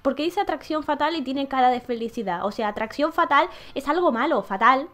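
Young woman gamer, very high, bouncy delivery, playful put-on voices, faint music behind. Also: lively intonation, fairly quick, fairly bright tone. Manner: reads game dialogue aloud in playful put-on voices. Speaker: gameplay video creator. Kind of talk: playful gameplay commentary.

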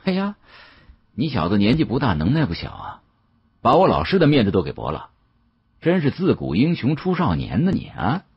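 A man's voice: mid-range voice, wildly swooping pitch, normal speed, slightly rough, no echo, highs cut off, pitched above the performer's own voice, exaggerated voice. A man voicing a cocky young male student with a flippant, insolent way of talking in an audiobook. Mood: mock admiring.

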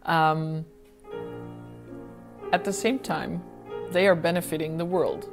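A woman speaks slowly in a very low voice. She answers with enthusiasm, recorded in a library room. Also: steady tone, creaky, music in the background. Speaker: interviewee. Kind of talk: interview answer.

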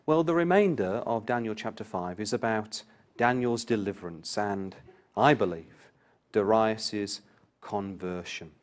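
A man's voice: fairly low pitch, unhurried. A man giving a Bible study talk, reading scripture aloud with rising emphasis and turning to the listeners with direct questions. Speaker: Bible class speaker.

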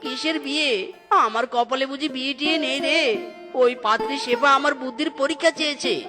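উচ্ছ্বসিত প্রেমিক শিয়াল মিচকে. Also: male voice, very high voice, a little fast, music in the background. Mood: worried. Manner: sings, shouts and swears playfully. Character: lovesick male fox matchmaker, boastful and excitable. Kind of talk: cartoon voice acting.

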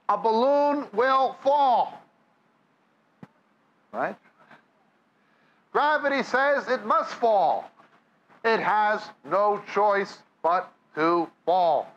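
A man's voice: high-pitched, expressive, takes it slowly, pauses often, fairly bright tone, dull audio, slight background noise. A man with a New York accent preaching a sermon, reading scripture aloud and then explaining it to a live audience. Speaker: Bible teacher. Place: church or meeting hall with audience.

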